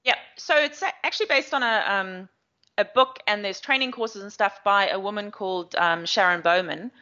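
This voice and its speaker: At a moderate pace, her mid-range voice sounds pushed and bright. The speaker is a South African agile coach whose interview answers are long, chatty and explanatory, heavy on fillers. The recording is slightly dull.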